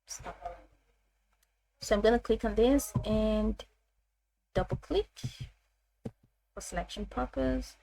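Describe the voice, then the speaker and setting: A woman presenting a casual step-by-step software tutorial, talking haltingly and repeating her phrases as she explains. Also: mid-range voice, creaky, rough recording.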